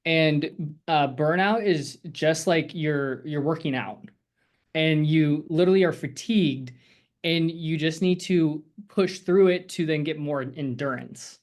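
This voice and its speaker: A man's voice: fairly high pitch, measured pace. A man coaching a group on a video call, talking casually in a rambling, encouraging way with lots of fillers. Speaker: sales coach.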